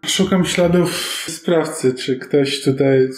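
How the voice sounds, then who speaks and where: A man's voice: on the high side, slow pace. A man talking casually as a tabletop role-playing player, stating what his character does and asking questions. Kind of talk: casual in-game talk. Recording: roomy echo, faint music behind.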